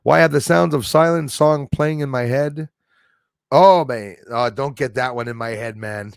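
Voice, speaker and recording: Guy doing a livestream, chatty n rambly, into it, medium pitch, dry sound. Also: a little slow, vocal fry, smooth, dry recording. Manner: enthusiastic, rambling, chummy with listeners. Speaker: livestream host. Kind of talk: casual livestream chat with viewers.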